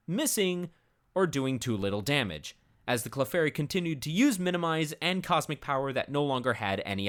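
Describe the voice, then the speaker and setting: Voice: mid-range voice, fairly bright tone. A narrator giving a dramatic reading of a comic story in a grave, theatrical storyteller manner.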